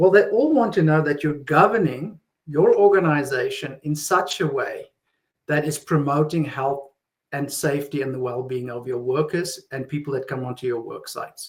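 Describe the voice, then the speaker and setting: A man's fairly high, somewhat breathy voice moves at a moderate speed, its pitch varying in an ordinary way. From South Africa. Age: 50s. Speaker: software company executive. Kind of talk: conference interview. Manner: halting, with many repetitions.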